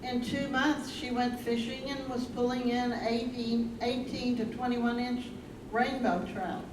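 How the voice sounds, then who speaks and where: Narrator for stage reading female actor: measured, higher-pitched, distant with noticeable noise. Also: steady tone, natural voice. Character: female storyteller, plain and measured. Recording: echoey distant stage recording, clear noise.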